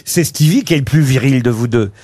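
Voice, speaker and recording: A man hosting a radio show, telling a joke in an animated way and bantering with guests in the studio. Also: mid-range voice, fairly quick, dry recording. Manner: animated storyteller, playful questions.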